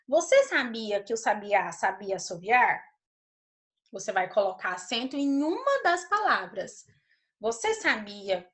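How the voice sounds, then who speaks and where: A woman teacher walks through a recorded grammar lesson for children. Her voice sits a little higher than average, and she reads each example sentence slowly and deliberately. She checks in with the class again and again. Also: fairly bright tone. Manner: checks understanding with "certo?".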